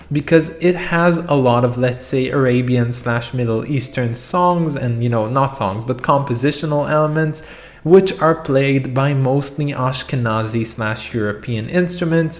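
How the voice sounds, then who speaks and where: A man at an ordinary middle pitch talks to camera about an album he loves. His delivery is casual and eager, and he strings his thoughts together with loose asides and fillers. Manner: chatty and enthusiastic, with frequent "you know" and "like". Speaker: music album reviewer. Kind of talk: casual spoken review to camera.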